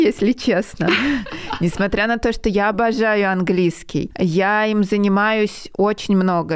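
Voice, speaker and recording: Female podcast host; smooth, resonant, reflective conversational read. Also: mid-range voice. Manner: candid, reflective, with light laughter. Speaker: podcast host and English teacher.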